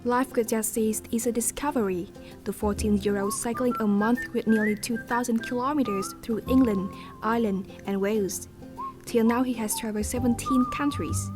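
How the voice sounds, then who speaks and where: A woman reading a scripted documentary voice-over in a measured tone. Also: fairly high pitch, very animated. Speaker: narrator. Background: music bed.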